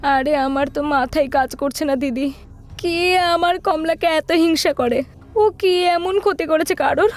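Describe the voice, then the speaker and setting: নারীকণ্ঠে কনের উদ্বিগ্ন মা, খুব সরু চড়া গলা. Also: female voice, high-pitched, a little slow. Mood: distressed, worried. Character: anxious, deferential village mother of a bride. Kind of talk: audio horror story dialogue.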